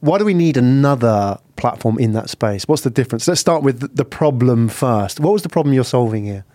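A man hosting an interview, leading with conversational, brisk questions. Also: medium pitch, animated, dark tone, no echo. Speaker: interviewer, host.

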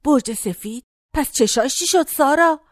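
A frail, very old woman played by an actress rambles in a high, thin voice, drifting from complaints to faraway memories in a folksy, wandering way. The sound is close and dry, as in a radio play. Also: lively intonation, no room sound. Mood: fretful. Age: older. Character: very old woman in a care home, rambling and pained.

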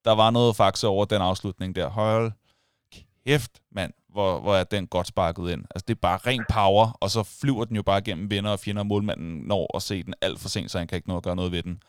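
A man co-hosting a casual chat, telling a story with energy and acting out the shouts of others. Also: deep voice, clear, resonant tone, no room sound, studio quality. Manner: animated storytelling, acts out crowd shouts.

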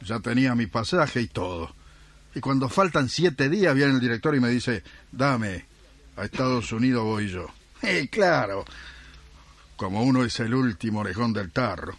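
Grumbling and sarcastic, this is a bored Argentine journalist played by a male actor in a radio play. He nurses his grievances in a medium-pitched voice, recorded dry. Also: lively intonation, moderate pace, fairly bright tone, no echo. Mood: bitter. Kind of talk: radio drama dialogue.

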